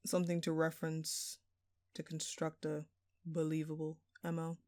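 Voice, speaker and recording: A woman's voice: sits low, monotone, normal speed, mellow, dry recording, clean studio sound, lightly acted. A woman playing a smug, flirtatious jewel thief in an audio roleplay, teasing and theatrical, with playful sarcasm. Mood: feigned innocence. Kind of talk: intimate scripted audio roleplay.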